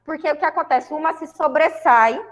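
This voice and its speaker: A woman's voice: high-pitched, normal speed, a bit bright, long reverb tail. A Brazilian woman teaching a grammar lesson to a class, explaining step by step and often checking in with her students. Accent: Brazilian Portuguese. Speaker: school Portuguese teacher.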